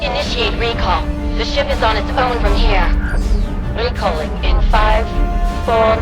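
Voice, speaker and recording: An actress playing an embattled female soldier who shouts urgent commands and counts down under heavy fire. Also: a little high, a little slow, natural voice. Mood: frantic. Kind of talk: video game cutscene voice acting. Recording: game audio with loud music.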